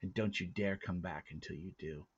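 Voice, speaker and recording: A man reading a storybook aloud, voicing a big, gruff, bullying tribal hunt leader with a harsh, scornful manner. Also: low voice, normal speed, dull audio. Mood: sneering. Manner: harsh, shouting commands.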